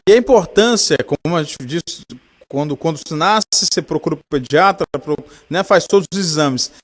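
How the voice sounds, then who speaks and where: A man with a Brazilian Portuguese accent hosts a radio health segment. His voice sits high for a man, and he keeps the chat upbeat and friendly. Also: moderate pace. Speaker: radio show host. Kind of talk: casual radio interview.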